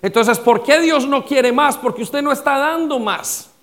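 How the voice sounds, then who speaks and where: A male pastor preaching a sermon with rhetorical questions and repetition, swinging between loud stress and quiet dropped lines. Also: extremely high pitch, a little slow.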